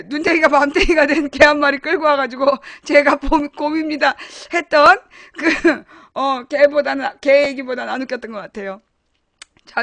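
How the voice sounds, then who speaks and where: Bright, high-voiced chatty Korean woman host. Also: no room sound. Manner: chatty, laughing, blunt and mocking. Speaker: live-stream talk show host. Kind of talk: casual live-stream chat reading viewer comments.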